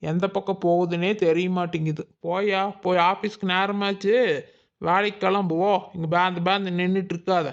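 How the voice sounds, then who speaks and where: A man playing a teasing, sharp-tongued young village wife in a cartoon. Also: sits high, little pitch movement, normal speed, dull audio. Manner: teasing, cheeky. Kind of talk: cartoon voice acting.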